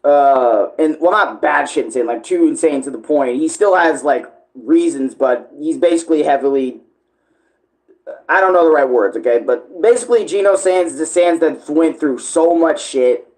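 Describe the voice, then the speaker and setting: A man's voice: a little high, normal speed, a little mellow, rough recording. A man chatting casually as an online streamer, rambling along, often searching for words and correcting himself. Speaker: online video creator and live streamer. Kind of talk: casual rambling livestream chat.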